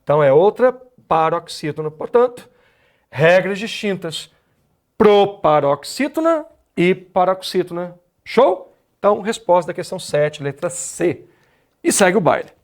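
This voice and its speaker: A man's voice: sits high, sing-song, a little slow. A Brazilian man teaching an exam-prep grammar lecture, who explains step by step and keeps asking the class rhetorical questions. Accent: Brazilian Portuguese.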